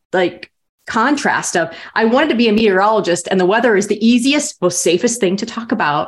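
A woman speaks with a Midwestern US accent. Her intonation is lively. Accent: US Midwest. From Nebraska. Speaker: women's leadership coach. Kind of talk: interview.

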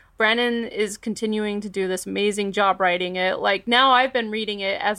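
A woman's bright, sharp, fairly high voice comes at a moderate pace on a very clean recording with a silent background. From Denver, Colorado. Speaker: comic book artist. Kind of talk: interview.

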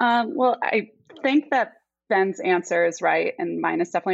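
A woman's unremarkable speaking voice with an American accent, at a moderate pace. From New York. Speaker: trivia contestant, machine learning engineer. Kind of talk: casual game chat.

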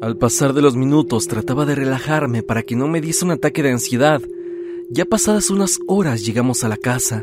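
Over background music, a man talks at a fairly quick pace with lively intonation. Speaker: horror channel host reading listener stories. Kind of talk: scripted narration of listener-sent ghost stories, read aloud.

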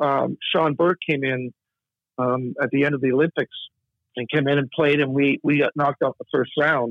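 A man speaks at a fairly high pitch in a monotone, flat way. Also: moderate pace. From Nova Scotia, Canada. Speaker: former hockey goaltender. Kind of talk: interview.

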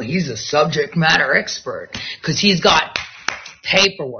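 Over music in the background, a woman speaks with an American accent. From New York. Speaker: livestreamer. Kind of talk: live stream monologue. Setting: live stream. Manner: rambling, conversational.

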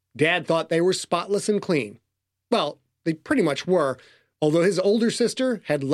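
With lively intonation and a quiet background behind it, the voice reads aloud naturally.

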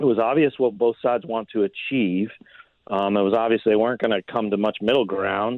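Using a plain, everyday voice, a man talks at a medium pitch, varying it in an ordinary way. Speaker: baseball beat writer. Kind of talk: radio interview, sports analysis.

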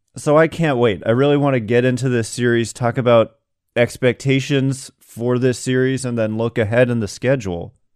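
On a very clean recording with a silent background, a man talks at medium pitch in an excited, enthusiastic tone. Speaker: podcast host, baseball fan and analyst. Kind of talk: radio dj patter: brisk, upbeat ad-read delivery. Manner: bright, punchy, salesy and energetic, with quick handoffs between ad copy and show talk; excited, enthusiastic fan energy.

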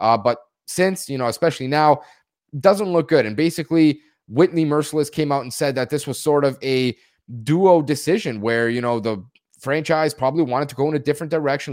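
Heard in a very clean recording with a silent background, a man with an Ontario accent speaks at a very fast pace and fairly high pitch. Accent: Canadian (Ontario). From Canada, near Toronto. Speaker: sports podcast host and fantasy analyst. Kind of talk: solo sports analysis podcast. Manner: casual, conversational.

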